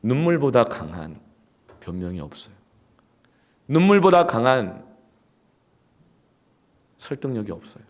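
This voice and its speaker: A male pastor preaching a sermon through personal stories, emphatic and swinging from hushed asides to loud outbursts. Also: mid-range voice, very animated, a little slow, pauses often.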